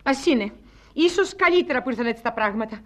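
Actress as high-voiced, coolly ironic wife. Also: female voice, lively intonation, lightly acted. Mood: haughty, composed. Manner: composed, formal, dryly ironic. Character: dignified, cool, sharp-tongued wronged wife. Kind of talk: theatrical stage-comedy acting.

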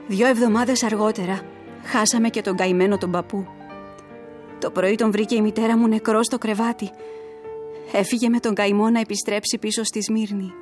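A woman's voice: mid-range voice, fairly even intonation, darkish tone, soft background music, lightly acted. An actress playing a grieving young woman who tells her story earnestly and emotionally, as in a letter read aloud in a radio drama.

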